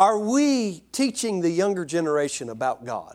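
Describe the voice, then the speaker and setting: A man speaks with an Appalachian accent. The recording is very clean, with a silent background. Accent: Appalachian Southern US. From West Virginia, small rural town. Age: 30s. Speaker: travelling preacher. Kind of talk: sermon. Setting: church with congregation. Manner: animated.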